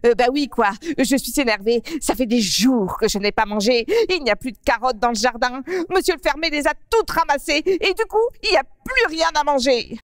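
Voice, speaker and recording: A woman's voice: high voice, expressive, moderate pace, few pauses, dry recording, studio quality, voice pushed up. Woman doing a whiny, starving rabbit. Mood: grumbling hungry.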